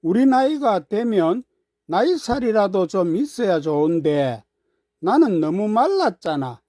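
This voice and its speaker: A woman's voice: mid-range voice, sing-song, unhurried, mellow, no echo, clean studio sound. A woman voicing catty, boastful middle-aged reunion friends in a story, gossipy and falsely sympathetic.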